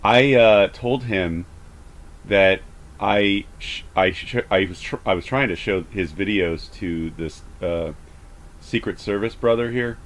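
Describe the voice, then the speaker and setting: A man's voice: lowish voice, slow pace. A man chatting casually, rambling with frequent stammers and false starts. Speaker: host of a call debrief. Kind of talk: casual chat.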